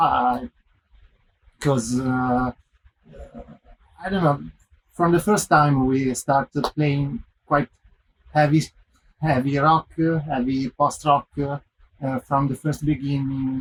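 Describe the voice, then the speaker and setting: A man with a fairly high pitch and ordinary pitch variation talks at a very slow pace, somewhat breathy, with long, frequent pauses, in a dry, close sound with no echo. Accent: strong Italian. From Italy. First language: Italian. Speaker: rock musician. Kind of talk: interview. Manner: halting, many fillers.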